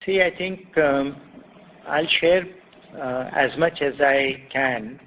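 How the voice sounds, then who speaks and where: An Indian-accented man with a slightly high voice speaks over a narrow phone line. He sounds like a company executive, explaining his points deliberately on an earnings call. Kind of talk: answering questions on an earnings call. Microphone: conference call line.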